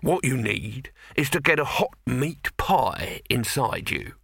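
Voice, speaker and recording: A man voicing a wily street pie seller with a smooth hawking sales patter. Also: medium pitch, very animated, slow pace, fairly bright tone, no echo, clean studio sound, heavily acted. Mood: wheedling.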